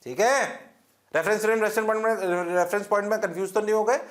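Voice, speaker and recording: A man's voice: high voice, quick pace, a bit bright. A man from India teaching a physics class in a lecture style, firing questions at students, answering them himself, and checking again and again that they understand. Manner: mixes English terms into Hindi speech, repeats checks for understanding. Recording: echoey classroom.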